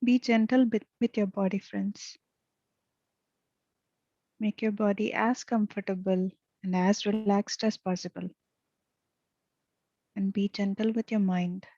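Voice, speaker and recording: A woman leading a guided meditation as a teacher, speaking softly and soothingly with long pauses. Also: medium pitch, steady tone, no echo, dull audio. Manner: soft, gentle, soothing delivery with long pauses.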